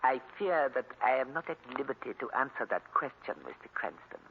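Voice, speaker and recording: An actor playing a polite, guarded Hindu professor in a formal, stilted 1940s radio style. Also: male voice, mid-range voice, sing-song, brisk, lightly acted. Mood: guarded, courteous. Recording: tinny, noisy 1940s radio recording.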